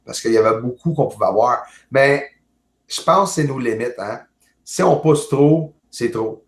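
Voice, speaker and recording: Québécois man, jovial and halting, roomy sound. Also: mid-range voice. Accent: Québécois French. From Quebec, Canada. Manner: halting, many restarts and fillers, jovial. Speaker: guest, amateur astronomer. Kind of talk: casual video call chat. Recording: roomy echo.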